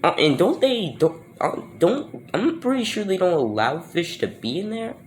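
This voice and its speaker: A man's voice: sits high, big pitch swings, normal speed, slight background noise. A man giving casual, unscripted reaction commentary in a questioning, incredulous, literal-minded way.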